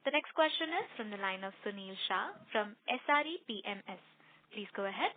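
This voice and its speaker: A woman's voice: medium pitch, expressive, a little fast. Woman operator, phone-like sound. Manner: polite, procedural. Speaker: conference call operator. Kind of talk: formal scripted call moderation. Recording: thin phone-like conference line.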